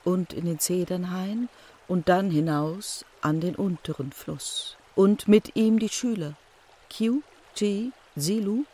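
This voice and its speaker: An actor playing the narrator of an ancient Chinese tale, reciting deliberately and poetically in a radio drama. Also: male voice, high voice, darkish tone. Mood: solemn.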